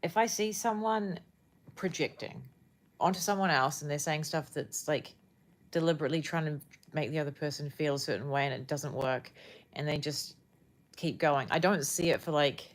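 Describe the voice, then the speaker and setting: A woman's voice: sits low, moderate pace. A young woman with a New Zealand accent chatting casually with viewers on a livestream, rambling and often searching for words.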